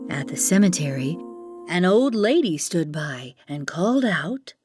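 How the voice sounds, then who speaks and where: A woman narrating a children's fairytale as a storyteller, with expressive delivery and dramatic, drawn-out emphasis. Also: lowish voice, over music.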